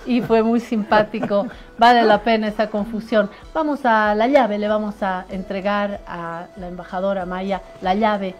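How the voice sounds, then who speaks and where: A woman hosting a studio interview show, chatty and animated. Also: mid-range voice, moderate pace, few pauses, dull audio, soft background music. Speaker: talk show host.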